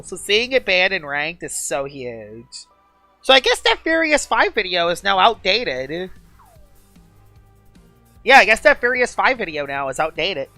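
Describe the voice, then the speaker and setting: Bright, lively woman streamer. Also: medium pitch, dry recording. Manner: excitable, gushing, chatty. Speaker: game streamer. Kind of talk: casual live-stream chat.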